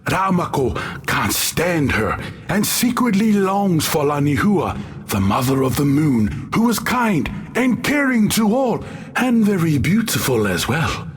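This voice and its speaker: A man playing a genial armored tribal warrior who tells old tales theatrically in a husky voice, as game lore. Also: fairly high pitch, sing-song, a little slow, soft background music, exaggerated voice. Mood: animated, gossipy. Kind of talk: scripted in-character lore narration.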